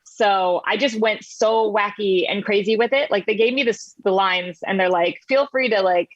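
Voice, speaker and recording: Female podcast guest, American, mid-pitched, chatty and self-amused, dry lo-fi sound. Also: steady tone, normal speed, dry recording. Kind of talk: casual interview chat. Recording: slightly dull, lo-fi audio.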